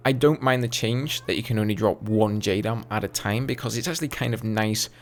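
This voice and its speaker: A man in his twenties with an English accent, casually answering viewer questions over gameplay footage in a relaxed, chatty way. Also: lowish voice, a little fast. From England. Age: 20s. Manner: chatty, relaxed, with fillers and asides. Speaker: gaming YouTuber.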